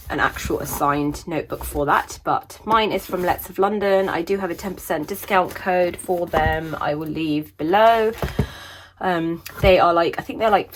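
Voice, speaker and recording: A woman in her thirties chatting casually about her planners, meandering with many fillers, her voice slightly raspy from a sore throat coming on. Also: low-pitched, a little hiss or hum. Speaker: planner vlogger. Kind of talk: casual chat.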